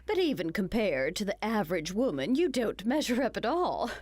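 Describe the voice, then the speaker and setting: A woman voicing a cruel, greedy older mother-in-law who mocks and insults in an animated story. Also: medium pitch, moderate pace, no echo. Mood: sneering. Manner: sneering, insulting, mocking.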